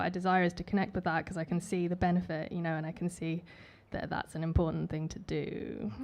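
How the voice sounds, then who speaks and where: Talking at a very fast pace, a woman with an English accent keeps a medium pitch. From Japan, moved to England at five. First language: Japanese. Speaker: artist. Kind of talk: personal sharing.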